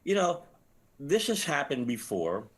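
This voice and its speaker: A man's voice: medium pitch, very animated, unhurried, breathy edge. An older man giving expert commentary as a guest in a live news interview. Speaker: retired air traffic controller, interview guest.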